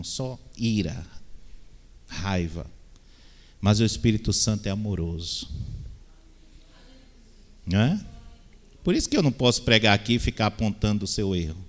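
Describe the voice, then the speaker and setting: Pastor guy preaching in a church, lowish voice, keeps tossing out amém? and little jokes, long echo in the hall. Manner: call-and-response "Amém?" with playful asides. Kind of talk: sermon.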